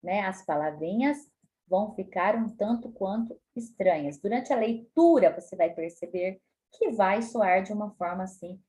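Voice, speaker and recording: A woman with a Brazilian Portuguese accent teaching a spelling lesson to children, explaining patiently and stretching words out slowly. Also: medium pitch, animated, mellow. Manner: slow, stretches words out syllable by syllable; frequent tag questions, patient explaining tone. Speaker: primary school teacher.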